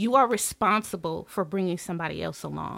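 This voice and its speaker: In a very clean recording with a silent background, a woman with an American accent talks at a moderate pace in a medium pitch with vocal fry. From US South, Columbus, Georgia. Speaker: marketing consultant. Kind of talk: interview.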